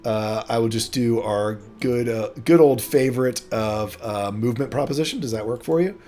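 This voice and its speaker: A man's voice: medium pitch, moderate pace, dark tone. A man acting as game master, chatting casually at a tabletop role-playing session.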